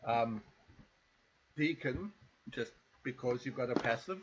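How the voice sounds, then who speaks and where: A man with a South African accent narrating a tabletop game as game master in a relaxed, loose way with many fillers. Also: mid-range voice, slow, muffled recording, slight background noise.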